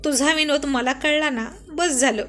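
A teasing young husband scolds with a mocking, playful edge, as a woman reads him in her own high voice. The storybook reading keeps him close to the narrator's tone. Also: a little slow, fairly bright tone, faint music behind. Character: teasing young husband, sharp-tongued and amused.

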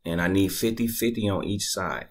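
A man casually talking through a screen-recorded tutorial at his computer, laid-back and thinking out loud as he goes. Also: sits low, normal speed. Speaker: crypto tutorial creator.

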